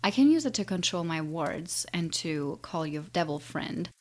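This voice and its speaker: A woman's voice: deep voice, big pitch swings, moderate pace, a little mellow. A woman playing an ancient, menacing siren in an audio drama, taunting and condescending with a theatrical drawl. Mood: intrigued, sly. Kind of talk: audio drama villain acting.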